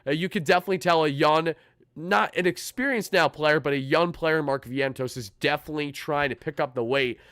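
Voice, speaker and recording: A young man with a hoarse, raspy edge left over from yelling at a game, pitched a little high. He talks in a fired-up, fast run with quick restarts, like a fan hosting his own pregame show. The sound is close and dry, with no room around it. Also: no echo. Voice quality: raspy from shouting. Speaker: sports channel host. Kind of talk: live-stream pregame talk.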